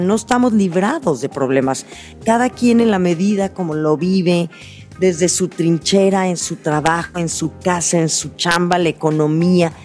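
A woman's voice: mid-range voice, a little mellow. A Mexican woman hosting a radio show, talking in a chatty, rambling way, correcting herself as she goes and stressing her points with feeling. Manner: emphatic, heartfelt. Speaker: radio host. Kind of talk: casual radio monologue.

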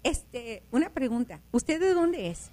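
A woman's voice: high voice, big pitch swings, slow, darkish tone. A woman from El Paso, Texas, hosting a Christian radio talk show in a fervent, preachy, upbeat way. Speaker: radio host.

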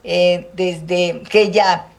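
A woman politician from Guerrero, Mexico, answering interview questions in a measured, halting way with many fillers. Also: on the low side, fairly even intonation. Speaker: politician, senator.

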